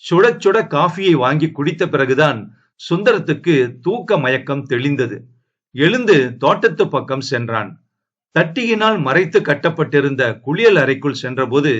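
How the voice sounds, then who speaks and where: A man reading a family novel aloud in a steady, measured storytelling voice. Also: fairly high pitch. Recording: dull lo-fi audio.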